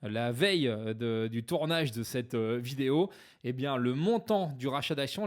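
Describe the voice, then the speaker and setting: A French-speaking man explaining stock investments to viewers in a conversational way, with frequent hesitations. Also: mid-range voice. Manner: conversational, many "euh" fillers; jokes about his own English accent. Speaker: finance YouTuber.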